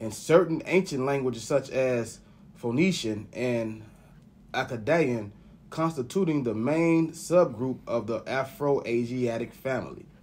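A man's medium-pitched, unremarkable speaking voice with ordinary pitch variation at a fairly slow pace. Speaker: scripture reader for religious organization. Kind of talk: reading aloud. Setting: studio. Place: studio. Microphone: studio mic.

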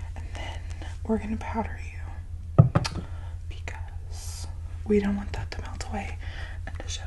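Loud background noise surrounds a soft-spoken woman. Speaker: makeup vlogger. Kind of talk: casual makeup tutorial chat. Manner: soft, hushed ASMR voice. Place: home room. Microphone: phone near.

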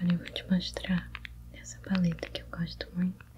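A soft-spoken woman whispering over light background noise. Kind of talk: soft-spoken ASMR roleplay. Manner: soft intimate ASMR whisper. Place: home room. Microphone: studio mic.

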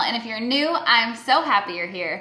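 In a room with audible echo, a woman talks at a fairly quick pace. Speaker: lifestyle vlogger. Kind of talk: casual vlog chat. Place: kitchen.

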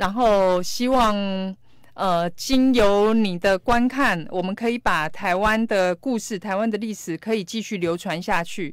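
A woman with an ordinary speaking voice talks at a fairly slow pace and medium pitch, with ordinary pitch variation, a quiet background and a dry sound with no echo. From Taiwan. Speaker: film director; guest. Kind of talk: radio interview. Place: studio. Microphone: studio mic.

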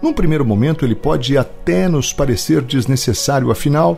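With music in the background, a man at medium pitch speaks in very wide pitch swings. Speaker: voice-over narrator. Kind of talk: Bible reflection talk.

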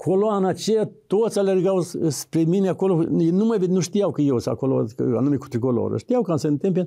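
A man with a high pitch and a dark, mellow tone uses lively intonation at a very even loudness over a quiet background. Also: moderate pace. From Moldova, Nisporeni district; Moldova. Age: 70s. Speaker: retired teacher and cultural activist; retired teacher. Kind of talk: interview testimony. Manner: halting, with many repetitions. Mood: animated, emotional recollection. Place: studio. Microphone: lapel.

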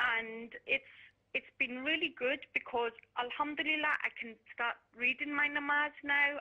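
Speaking at a fairly slow pace, a woman talks in a high pitch against a quiet background. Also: ordinary pitch variation. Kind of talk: radio call-in caller. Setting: phone line. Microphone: phone line.

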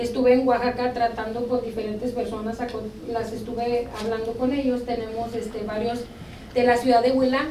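Very fast, monotone speech from a woman with a high pitch, amid audible room echo and noticeable background noise. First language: Spanish. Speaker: public commenter. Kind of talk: public comment at council meeting. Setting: city council meeting.

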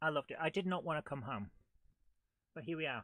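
A woman talks very fast with an English accent. Her pitch is very deep and low, and the sound is dry and close with no echo. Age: 40s. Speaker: gaming streamer. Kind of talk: live gameplay commentary. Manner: animated.

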